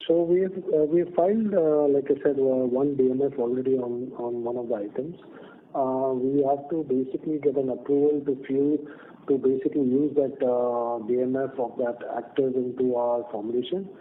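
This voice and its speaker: A male company executive answering questions on an earnings conference call, speaking haltingly with repeated words over a phone line. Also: mid-range voice, steady tone.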